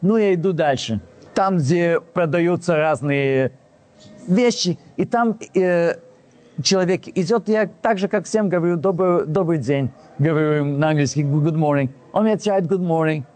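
A storyteller with a slightly high voice recounts a personal anecdote casually at normal speed. He acts out the quoted lines with animation and keeps going back to restart and fix what he said.

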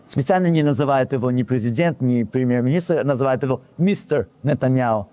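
With a mid-range voice and a brisk delivery, a man animatedly recounts a casual personal story. He voices the quoted dialogue himself, with frequent restarts and self-corrections.

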